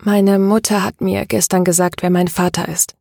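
A woman's voice: mid-range voice, level tone, normal speed, gravelly, warm tone, no echo, clean studio sound. A woman reading the part of a troubled, tense young woman who talks in an earnest, hesitant way.

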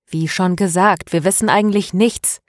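A woman voicing a calm, rational young male student in an audiobook, matter-of-fact and dismissive. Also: fairly low pitch, normal speed, no room sound, studio quality, natural voice. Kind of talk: dramatized audiobook dialogue.

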